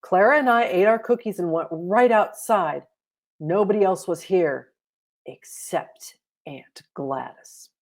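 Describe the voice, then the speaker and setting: A woman's voice: on the low side, slow pace. A woman voicing an eager, bossy young schoolgirl in a storybook read-aloud, with emphatic exclamations. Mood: indignant.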